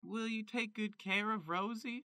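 Bright, high-voiced earnest farm boy played by a man. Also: unhurried, smooth, dry recording, heavily acted. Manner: earnest, dramatic, guileless. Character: earnest, naive young male chicken farmer. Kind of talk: comedic audio drama acting.

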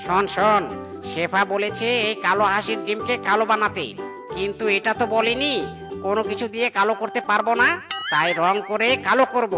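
A man's voice: high voice, fairly even intonation, brisk, over music, lightly acted. A man voicing a cocky, clever monkey friend in a cartoon who drops English slang. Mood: scheming. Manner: breezy, mixes English slang. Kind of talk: cartoon voice acting.

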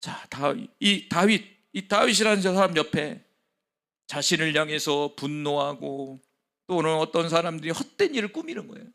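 A man preaching a sermon as pastor, conversational, laughing often and dropping to quiet whispered asides. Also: on the high side, animated, normal speed, vocal fry.

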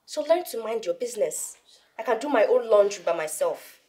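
A young actress with a Nigerian accent playing a headstrong teenage daughter in a naturalistic film drama. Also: female voice, mid-range voice, expressive, normal speed, natural voice. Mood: angry. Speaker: actor. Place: house interior. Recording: clear background music.

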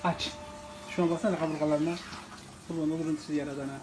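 A man's voice: on the high side, fairly even intonation, fast, noisy background. A man in his forties from Turkey, rescuing an animal, talks in a soothing, coaxing way and repeats short words again and again. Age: 40s. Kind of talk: unscripted phone video.

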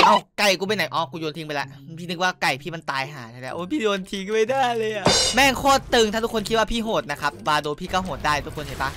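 Loud, boastful young gaming streamer. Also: male voice, sits high, lively intonation, fast talker, hardly any pauses. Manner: loud, crude, boastful, shouting at opponents. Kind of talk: excited gameplay commentary. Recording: music heard clearly behind the voice. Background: game music.

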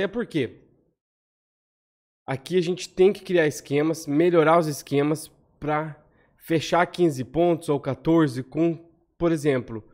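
A Brazilian man in his thirties talks through lottery number trends as he scrolls a spreadsheet. His voice sits a touch high and his delivery is quick and chatty. He keeps checking in with the viewer through little tag questions. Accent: Brazilian Portuguese. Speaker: lottery analysis host. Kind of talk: casual spreadsheet walkthrough. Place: home room, on webcam over screen share.

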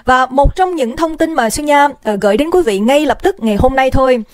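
Chatty woman on a livestream, high voice, dry close mic. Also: lively intonation, brisk, no echo. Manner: bubbly, greets viewers by name, drops English phrases. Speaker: livestream host. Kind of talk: casual livestream chat. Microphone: desk microphone.

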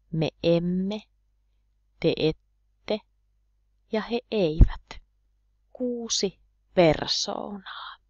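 Woman drilling grammar slowly, kinda low voice, dry slightly muffled sound. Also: darkish tone, no echo. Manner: slow drilling, repeating each word form. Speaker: language teacher. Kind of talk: slow, clear grammar lesson for beginners.

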